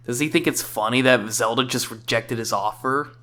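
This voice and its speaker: A man's voice: medium pitch, normal speed, over loud music. A man giving scripted comedic commentary as a game reviewer, wry and sarcastic.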